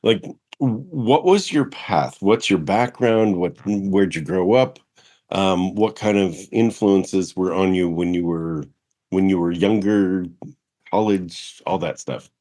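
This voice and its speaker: A man's voice: sits low, slow, a little mellow. A middle-aged man hosting a podcast interview, enthusiastic and encouraging, echoing his guest's points with affirmations. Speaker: podcast host. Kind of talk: casual interview conversation.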